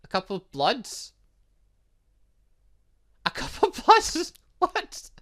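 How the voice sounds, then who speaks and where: A man giving animated let's play commentary on a story game, reacting out loud with exclamations. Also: very high voice, very slow. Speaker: gaming channel host.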